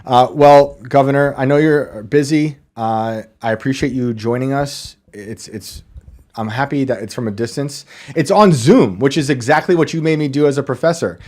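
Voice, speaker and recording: A man's voice: medium pitch, normal speed, a little mellow. A man hosting a podcast interview, wry and joking, laughing often. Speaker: podcast host. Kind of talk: casual interview chat.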